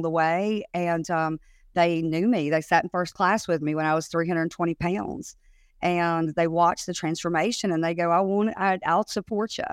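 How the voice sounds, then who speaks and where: A woman's fairly low voice at a moderate pace, on a very clean recording with a silent background. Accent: American. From US South. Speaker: nurse and entrepreneur. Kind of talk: casual interview chat. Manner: animated, laughs often.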